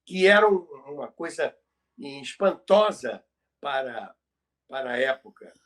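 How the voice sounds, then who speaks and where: A Brazilian man co-hosting a podcast, telling stories conversationally in a halting way, often repeating words. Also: medium pitch, animated, a bit bright. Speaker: podcast co-host. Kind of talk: conversational storytelling about radio history.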